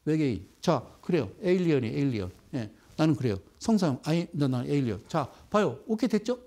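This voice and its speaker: A man's voice: on the high side, sing-song, brisk, warm tone. A middle-aged man giving a live broadcast lecture on stock trading, bantering with viewers and firing off rhetorical questions.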